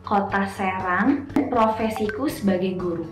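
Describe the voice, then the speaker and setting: A woman's voice: mid-range voice, measured pace. A woman in her twenties with an Indonesian accent introducing herself for a promo video in an echoing room. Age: 20s. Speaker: teacher. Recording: roomy, echoing, music over it.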